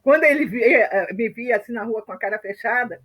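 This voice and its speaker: A woman with a husky, fairly high voice tells a personal story to her group. She talks in a halting, conversational way. She stops often to check in with her listeners. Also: fairly bright tone. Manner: chatty, halting, frequent "né?" tag questions. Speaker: group facilitator.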